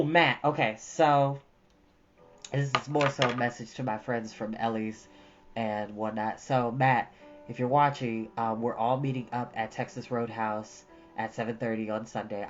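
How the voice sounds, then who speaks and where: Muffled, chatty livestream host around thirty. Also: medium pitch. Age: 30s. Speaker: livestream host who reads books aloud. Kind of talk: casual livestream chat. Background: prominent jazz music.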